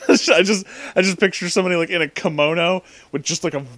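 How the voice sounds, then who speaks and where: A man's voice: high-pitched, a little fast, fairly bright tone, dry recording. A man hosting a casual comic read-aloud, informal and amused, with asides to the listener. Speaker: reader and host of a story-reading show.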